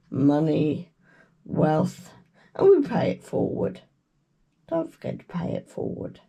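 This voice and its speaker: A woman with a British accent, croaky from a cold, giving a slow, meandering tarot reading with murmured chants. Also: fairly low pitch, dark tone. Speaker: tarot reader. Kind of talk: casual tarot reading chat.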